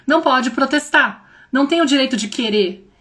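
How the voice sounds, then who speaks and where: High-voiced woman, animated mentor talk. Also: moderate pace. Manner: animated, addresses viewers directly, acts out quoted voices. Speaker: parenting mentor. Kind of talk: casual livestream talk.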